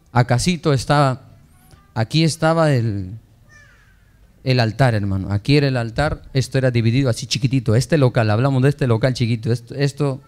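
Addressing his congregation as brothers, a pastor with a clean, darkish, mid-range voice tells his personal testimony with feeling. He acts out the conversations he describes as part of the sermon.

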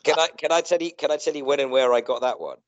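A middle-aged man chatting casually on a video call in a rambling, halting way that often circles back on itself. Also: medium pitch, dull audio, very noisy. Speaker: co-host in a two-person online chat. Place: indoor room, video call.

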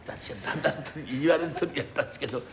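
A man's voice: fairly high pitch, racing, voice pushed down, lightly acted. A man playing a timid servant who jokes his way out of orders, in a rakugo comic story. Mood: explaining. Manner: meek, jokey. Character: timid fretful male servant. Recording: echoey TV hall with noise.

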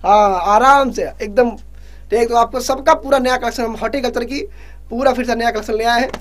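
A young man teaching a live online exam-prep class, pushing students to answer quickly, joking and scolding them as he goes. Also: very high voice, fairly even intonation, a bit bright.

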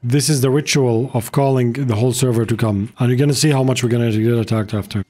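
A man's voice: mid-range voice, fairly even intonation, quick pace, darkish tone. A man in his thirties from the Arab world, a native Arabic speaker, giving playful, casual commentary as he streams a game. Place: small indoor room, streaming setup. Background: game music.

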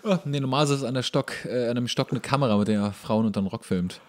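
A man co-hosting a podcast in casual comedic chat, joking dryly with a deadpan delivery. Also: medium pitch, fast talker. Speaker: podcast co-host.

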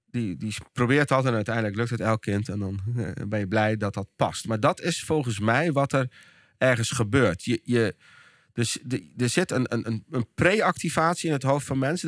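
A man with a Dutch accent, a podcast guest explaining his ideas with frequent restarts and searching pauses. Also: mid-range voice, a bit bright, no echo, studio quality. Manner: thoughtful, searching for words with many restarts. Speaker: podcast guest, behavioral scientist and speaker. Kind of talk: casual podcast conversation.

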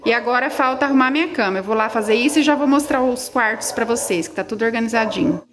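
A woman's voice: fairly high pitch, fast talker, a crowd in the background. Chatty Brazilian woman vlogging at home. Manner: chatty and affectionate, many diminutives, baby talk to her pets. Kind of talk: casual home vlog, talking to viewers. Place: small house, indoors and on the porch. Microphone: handheld phone.

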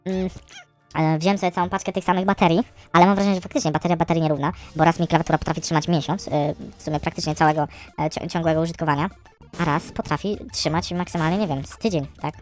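A man giving casual, chatty gameplay commentary as a streamer, grumbling along and breaking into frustrated yells. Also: on the high side, fairly even intonation, fast, faint music behind. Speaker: gaming streamer.

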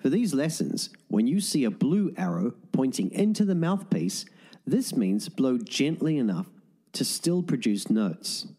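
A man narrating a tin whistle lesson as a voice-over, giving slow, methodical step-by-step fingering instructions. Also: medium pitch, big pitch swings, mellow, husky. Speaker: music teacher.

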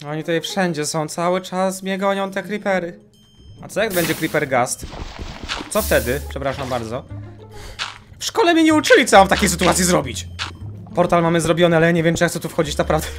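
A young man hosting a gaming channel, giving casual let's-play commentary and jumping into high yelps whenever he gets startled. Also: fairly quick. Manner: excitable, jumps to high-pitched yelps when startled. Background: game music.

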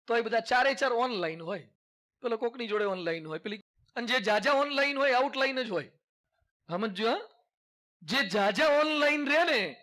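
High bright-voiced Gujarati monk preaching. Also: male voice. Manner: humorous, folksy storytelling with call-and-response. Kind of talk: sermon.

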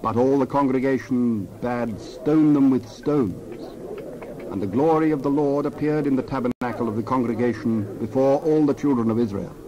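A man's voice: medium pitch, moderate pace, muffled recording, a crowd in the background. A man narrating a dramatized scripture reading.

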